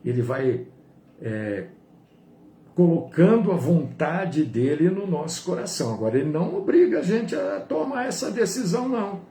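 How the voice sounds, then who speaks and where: A man, a pastor, preaching a sermon in an animated way, swinging from high to low. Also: moderate pace, echoey room.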